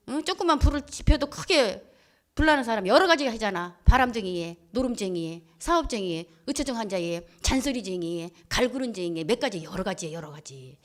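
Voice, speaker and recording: A woman pastor giving a church testimony, telling her story in a lively, colloquial way. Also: medium pitch. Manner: lively colloquial storytelling, acting out quoted voices. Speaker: pastor and head of a Christian broadcaster.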